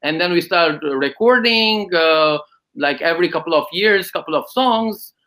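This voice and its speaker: A man talks over a video call as a guest. His voice is bright and somewhat high, and he speaks hesitantly, full of ums and uhs. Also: animated, unhurried. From Lebanon. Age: 30s. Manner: hesitant, many ums and uhs, laughs often. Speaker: guest musician. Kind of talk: casual interview.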